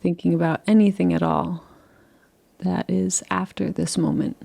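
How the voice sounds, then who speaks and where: A woman guides a relaxation session in a low, gravelly voice with a mellow, warm tone. She speaks softly and unhurriedly, with long pauses, and gently invites the listener rather than instructing. The effect is calm and reassuring. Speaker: meditation guide.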